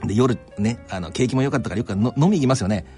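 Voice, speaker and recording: A man's voice: mid-range voice, rapid-fire, faint music behind. A man from Kanto hosting a radio talk show, telling stories with many fillers in a studio. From Kanto, Japan. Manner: animated storytelling with many fillers. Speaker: radio interviewer.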